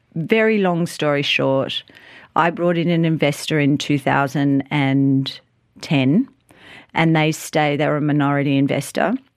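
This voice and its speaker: With an Australian accent, a woman speaks at a very deep, low pitch and a fairly slow pace. Her pitch variation is ordinary, and the recording is very clean with a silent background. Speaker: entrepreneur and author. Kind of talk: casual interview.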